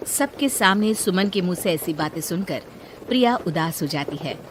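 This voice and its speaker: A woman's voice: on the low side, normal speed, background noise. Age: adult. Role: female story narrator. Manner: even, storytelling.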